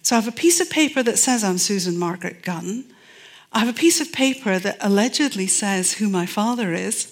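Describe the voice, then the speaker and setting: A woman's voice: mid-range voice, expressive, fairly quick. A middle-aged Scottish woman, a forensic anthropologist, giving a public talk and telling stories with dry humor and emphasis. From Scotland.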